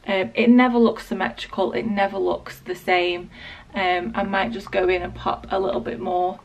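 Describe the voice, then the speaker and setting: Northern English woman, late 20s, croaky with a sore throat, gravelly, rambling vlog chat. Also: medium pitch, moderate pace, recorded from a distance, rough recording. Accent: Northern English, Lancashire. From England. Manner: relaxed, rambling, lots of ums and likes. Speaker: beauty vlogger. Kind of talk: casual hair tutorial. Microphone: small external mic.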